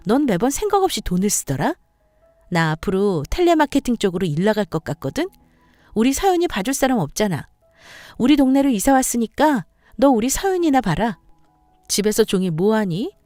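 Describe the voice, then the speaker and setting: Brief: a woman playing a sarcastic, domineering sister-in-law, pitched high and loud, lively and needling, dry close sound, faint music behind. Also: no echo. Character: sharp-tongued, sneering sister-in-law, a mother.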